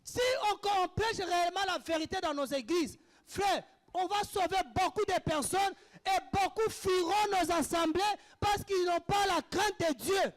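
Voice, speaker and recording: Very high-voiced, fiery preacher. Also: male voice, a little slow. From Africa. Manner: impassioned, swings between shouted declarations and hushed asides. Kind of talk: sermon answering questions.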